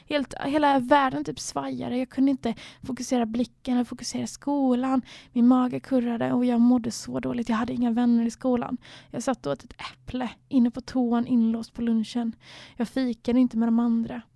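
Young woman, personal storytelling, reflective, slightly high, flat delivery. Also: gravelly, dry recording, studio quality. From Sweden. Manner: candid, reflective, at times near a whisper.

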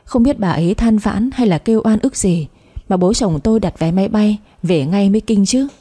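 A woman tells a first-person story in a steady, plain way. Her voice is husky and mellow, at a middle pitch. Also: normal speed.

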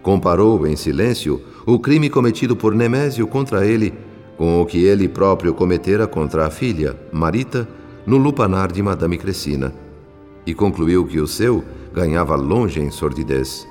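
A Brazilian actor playing a solemn spirit narrator in a radio drama, telling the tale in measured, literary diction. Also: male voice, deep voice, animated, darkish tone. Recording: long reverb, music underneath.

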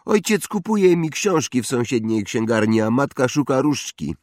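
A man voices an arrogant, snobbish young wizard boy who boasts and mocks, pitching his natural mid-range voice above its usual level. The delivery is very animated at normal speed and a little mellow, captured in a dry, clean studio recording.

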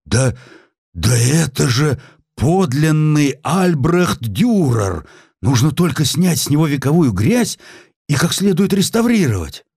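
A man voicing an excitable painter who speaks in high, excited exclamations. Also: slow pace, gravelly, slightly rough, no room sound, studio quality, heavily acted. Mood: astonished. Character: excitable male Moscow painter.

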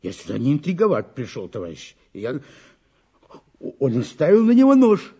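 An actor in an audio drama playing a talkative, excitable eyewitness who stammers and repeats himself, eager and easily indignant. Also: male voice, medium pitch, moderate pace, vocal fry, slightly rough, highs cut off, full character voice. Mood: excited, indignant.

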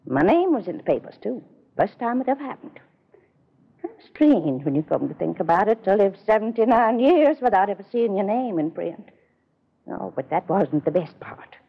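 Creaky, spiteful old spinster. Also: female voice, mid-range voice, full character voice. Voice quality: elderly, creaky voice. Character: spiteful, self-satisfied spinster of seventy-nine, jealous of sister. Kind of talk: 1950s radio drama acting. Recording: muffled vintage radio recording.

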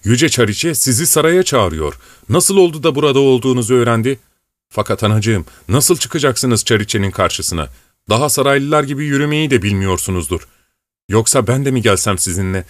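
A man voicing an excitable, fussing older landlady in an audiobook reading. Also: mid-range voice, fairly quick, dry recording, natural voice. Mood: flustered fussing. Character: fussy chattering older landlady.

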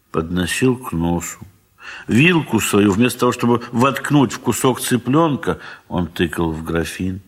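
A man narrating a classic story in a 1970s Soviet audio drama, in a dramatic literary style with measured, expressive pauses. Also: fairly low pitch, slightly rough.

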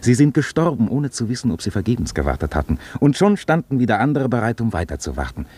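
An actor playing a kind, earnest Catholic chaplain in a German radio play, with gentle, thoughtful, lyrical phrasing. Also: male voice, mid-range voice, big pitch swings, fast talker, lightly acted. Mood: earnest, reflective.

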